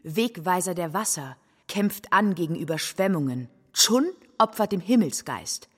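A woman's voice: lowish voice, expressive, measured pace, breathy edge. A woman reciting epic verse in a radio play in a declamatory style. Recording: long reverberant hall sound.

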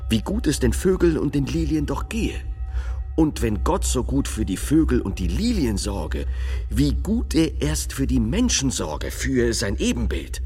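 An actor playing a devout medieval thinker in a German audio drama, solemn, declamatory and questioning. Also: male voice, medium pitch, big pitch swings, measured pace, mellow, breathy edge, faint music behind, heavily acted. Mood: solemn recollection.

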